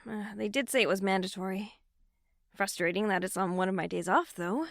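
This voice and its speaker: A woman's voice: medium pitch, brisk, vocal fry, dry recording, studio quality, lightly acted. An actress playing a friendly, easygoing young bookish woman in a naturalistic audio drama, speaking casually. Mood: casual, tired. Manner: casual, conversational.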